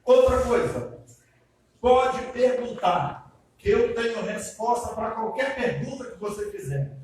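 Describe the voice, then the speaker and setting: A man's voice: extremely high pitch, lively intonation, unhurried, darkish tone. A man preaching as pastor, chatty and speaking straight to the congregation with frequent check-in questions. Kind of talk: sermon, question and answer service. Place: church hall. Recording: very echoey church hall, heard from a distance with faint noise.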